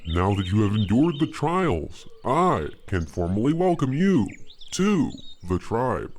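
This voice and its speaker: A man's voice: medium pitch, sing-song, slow, slight background noise. A man voicing a grand, ceremonial tribal chief in a comedic old-style radio play.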